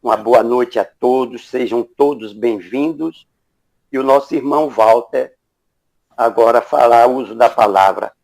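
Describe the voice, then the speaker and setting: A man's voice: mid-range voice, measured pace, gravelly, a little mellow. A man with a Brazilian accent, formal and reverent, hosting a religious gathering with solemn prayer and courteous welcomes. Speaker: host leading the opening prayer.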